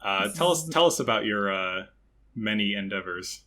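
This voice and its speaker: A man hosting a podcast, asking casual questions with a relaxed, laughing manner and plenty of uhs and likes. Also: lowish voice, normal speed. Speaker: podcast host.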